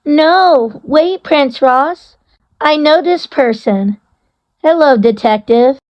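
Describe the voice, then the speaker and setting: Woman playing a sweet young game heroine, high-pitched, earnest, gentle, dull lo-fi recording. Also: slow pace. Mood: glad, earnest. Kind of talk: amateur game fandub acting. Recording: dull, lo-fi audio.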